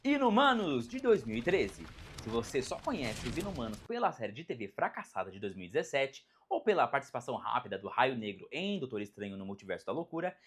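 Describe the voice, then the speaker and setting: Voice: mid-range voice, a little hiss or hum. A narrator with a Brazilian accent reading a scripted video essay in a dramatic, emphatic storytelling way. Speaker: narrator of a video about animated superhero films.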